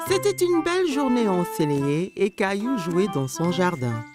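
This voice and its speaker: A woman narrating a children's cartoon as a scripted story, telling it clearly in simple sentences. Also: medium pitch, sing-song, normal speed, over loud music, lightly acted.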